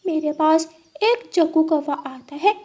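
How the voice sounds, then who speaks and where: A scheming black cat in a children's cartoon, put on by a woman, sweet-talking her way along and dropping meows into her lines. The voice sits well above the woman's own, bright and girlish, and the pace is unhurried. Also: sits high, voice pushed up. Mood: coaxing.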